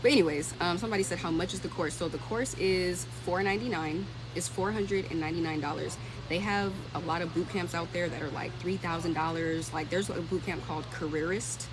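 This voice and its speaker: A thirty-year-old woman who creates tech career content hosts a casual livestream, answering comments informally and thinking out loud. Her voice sits on the low side and moves fairly quickly, with noise in the background.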